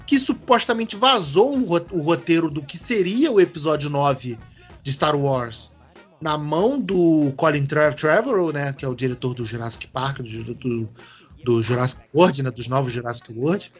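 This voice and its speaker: A man hosting a casual podcast chat, animated, swearing casually and restarting his words. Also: a little high, unhurried, highs cut off. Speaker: podcast host.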